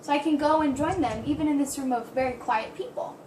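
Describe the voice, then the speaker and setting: A woman voice-interpreting an informal presentation, speaking a little haltingly and rephrasing as she goes. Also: high voice, darkish tone. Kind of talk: spoken interpretation of a signed talk, informal presentation. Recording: roomy echo, distant mic, background hiss.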